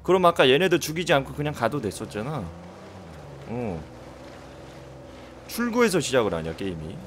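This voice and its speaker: A man's voice: mid-range voice, very animated, racing, a little hiss or hum. A man casually commenting on his gameplay at home, muttering and reacting as he plays. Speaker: game streamer. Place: indoors at home.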